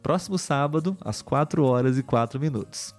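A man's voice: medium pitch, moderate pace. A man hosting a live stream for Portuguese learners, reading viewer comments in a patient, teacherly way with many filler tags. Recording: faint music in the background.

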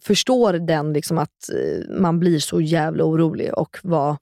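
A woman's voice: low voice, big pitch swings, gravelly, warm tone, no room sound. Give me a young woman co-host in casual chat, supportive and talkative, with a dry close mic. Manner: supportive listener, many "mm", chatty. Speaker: podcast co-host.

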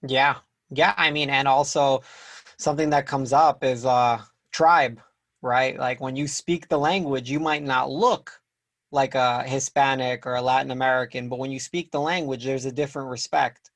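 A man's voice: mid-range voice, steady tone, normal speed, fairly bright tone. A young man hosting a casual interview, loose and chatty with lots of "like". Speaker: podcast host. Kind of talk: casual conversation.

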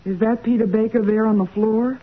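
An actress playing a detective's young assistant, eager, inquisitive and a little doubtful, in 1940s radio style. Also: female voice, on the high side, fairly even intonation, a little fast, lightly acted. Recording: muffled, hissy 1940s radio recording.

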